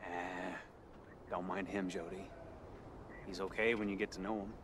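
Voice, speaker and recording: Friendly laid-back young ranch guy man acting for a game, flat intonation, noisy background. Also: sits low, moderate pace, close to an everyday voice. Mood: easygoing. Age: young adult. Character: easygoing, friendly young male ranch hand. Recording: clear noise behind game playback.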